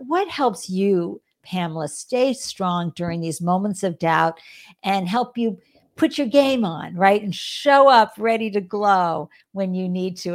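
A woman with a Boston accent hosting an interview, upbeat and encouraging, often speaking straight to the listeners. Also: medium pitch. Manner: encouraging, addresses listeners as folks. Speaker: podcast host.

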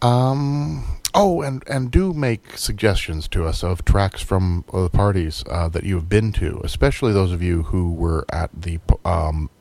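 Very deep-voiced man losing his voice. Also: a little slow, a little mellow, dry recording. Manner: rambling, dry joking, many hesitations. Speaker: radio show host. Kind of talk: casual chat.

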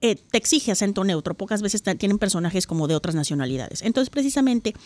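A woman actress with a Mexican accent, talking as a guest in a casual interview, expressive and often restarting her sentences. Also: mid-range voice, fast talker, no echo. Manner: animated and expressive, with frequent restarts.

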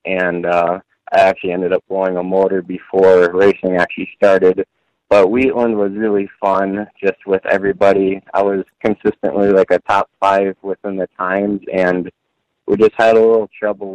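A man with a very low, flat voice speaks over a phone line in a dry, close sound. He answers in a laid-back way, trailing off and filling gaps with "uh". The delivery stays even and unhurried. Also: dry recording. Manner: laid-back, many "uh" fillers and trailing sentences. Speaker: off-road buggy racer guest. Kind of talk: casual interview answers.

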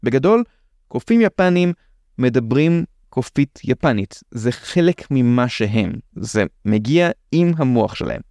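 A man's voice: medium pitch, sing-song, a little mellow, dry recording, studio quality. A man with an Israeli accent explaining things in a conversational way as a show's host, with playful questions and asides. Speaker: host of a science explainer show.

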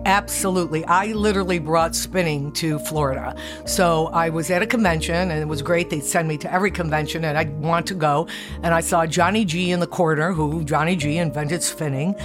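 A woman's voice: sits low, fairly quick, music in the background. A woman being interviewed about her fitness career, speaking with enthusiasm and acting out what people said. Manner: enthusiastic, animated, acts out quotes. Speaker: guest, fitness studio founder. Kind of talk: conversational interview storytelling.

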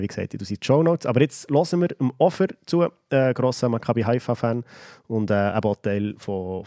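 A man's voice: medium pitch, mellow, no room sound, studio quality. A man with a Swiss German accent hosting a podcast in an informal, hesitant, lightly joking way. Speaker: podcast host. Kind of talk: casual podcast moderation.

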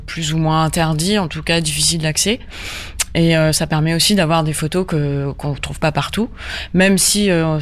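A woman from Normandy answers questions as a guest on a radio interview. She talks in a halting way, full of fillers and restarts, as she feels her way through each thought. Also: fairly low pitch. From Normandy, France. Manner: hesitant, many fillers and restarts. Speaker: guest photographer.

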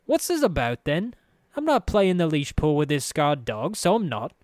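A scornful young street girl played by a man speaks in a thick brogue, pitched well up. She is snappish and slangy in this fantasy audio story, and the sound is close and dry. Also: huge pitch swings, normal speed, a little mellow, no echo. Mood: indignant.

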